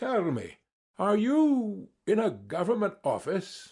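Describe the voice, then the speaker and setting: Putting on a character voice, a man drawls in a high pitch at a fairly slow pace. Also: quiet background. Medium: read story. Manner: condescending, drawling.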